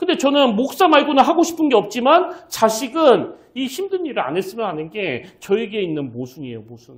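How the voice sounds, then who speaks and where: Shouting at a moderate pace, a man makes big swings in loudness and very wide pitch swings. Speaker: pastor. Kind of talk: sermon. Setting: church. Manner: loud, shouting; animated.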